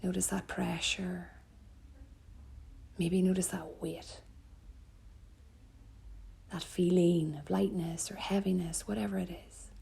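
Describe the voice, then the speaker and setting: Speaking low and flat, a woman who teaches yoga leads a guided relaxation session. Her delivery is breathy, soft and calming, broken by gentle pauses.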